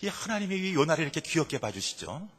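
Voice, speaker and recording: A male pastor preaching a sermon in a church sanctuary, emphatic, swinging between loud lines and hushed asides. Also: on the high side, very animated, fast talker, breathy edge. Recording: reverberant church hall.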